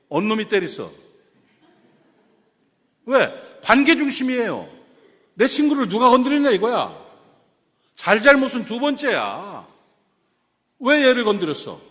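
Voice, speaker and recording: A man from South Korea preaching a sermon as pastor, animated and often questioning the congregation. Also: high-pitched. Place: church sanctuary. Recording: reverberant church hall.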